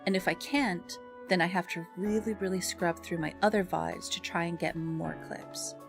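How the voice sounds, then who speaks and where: A woman livestreamer chatting casually with viewers in a bubbly, expressive and affectionate way. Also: on the low side, normal speed, creaky. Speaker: live streamer and ASMR content creator. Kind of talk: casual livestream chat with viewers, greeting them and reading messages. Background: background music.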